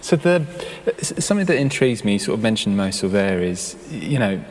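A man interviewing a guest on stage, hesitant and halting as he frames his questions. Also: on the low side, sing-song, a little hiss or hum. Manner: hesitant, many fillers and restarts. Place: conference hall on stage. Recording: live hall reverb, faint ambience.

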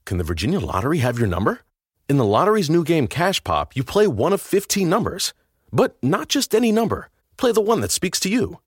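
A man with an American accent and a husky voice reading a scripted modern radio commercial. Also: on the high side, sing-song, fairly quick, no room sound, studio quality. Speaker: commercial voice-over.

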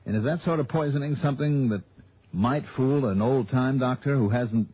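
A man's voice: mid-range voice, normal speed, slightly rough, lightly acted. A man playing a dry-witted male insurance investigator who narrates and asks clipped, probing questions in a 1960s radio drama. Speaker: narrator and lead. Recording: tinny old radio broadcast.

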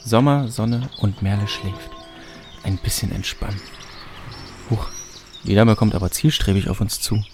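A man's voice: fairly low pitch, measured pace, pauses often, darkish tone, faint music behind, natural voice. An actor playing a young father out with his sleeping daughter, in a radio drama. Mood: relaxed.

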